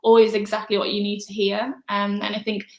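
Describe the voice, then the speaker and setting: A woman answering interview questions in a relaxed, casual way, soft-spoken with frequent pauses and fillers. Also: medium pitch. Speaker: interview guest. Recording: echoey room.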